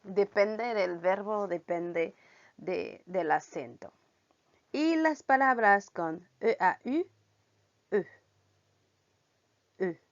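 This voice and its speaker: A woman teaching French at a very unhurried pace, spelling out letter groups and repeating every sound patiently. Her voice sits mid-range, and the recording is dull and lo-fi. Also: mid-range voice, lively intonation. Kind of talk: language lesson.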